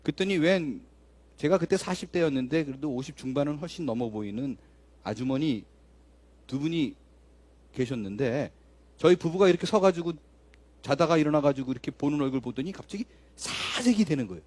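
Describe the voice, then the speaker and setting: A high-pitched male pastor in his fifties tells a story from the pulpit, chatty and vivid, acting out the scene as he goes. His voice is close and dry, with no room echo. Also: animated, fairly quick, darkish tone. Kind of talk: sermon storytelling.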